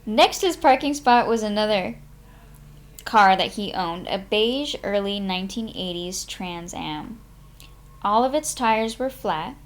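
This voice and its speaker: A woman narrating a memoir aloud as a live streamer, in an informal manner with her own small asides. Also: on the high side. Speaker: streamer reading a book aloud.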